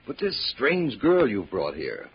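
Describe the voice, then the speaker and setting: Grave, very husky captive doctor. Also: male voice, fairly low pitch, wildly swooping pitch, unhurried, heavily acted. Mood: pleading, resigned. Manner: grave, pleading. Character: captive male doctor, earnest and resigned. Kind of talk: old-time radio drama acting. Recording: muffled old radio drama recording.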